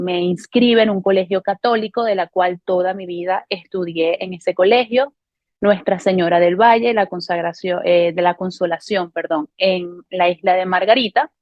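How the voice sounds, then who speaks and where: A woman's voice: mid-range voice, dry recording, dull audio. Earnest woman telling her faith story. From Venezuela. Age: 30s. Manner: earnest, unhurried, with frequent hesitations and self-corrections. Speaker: testimony speaker. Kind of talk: personal faith testimony to camera. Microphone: camera recording.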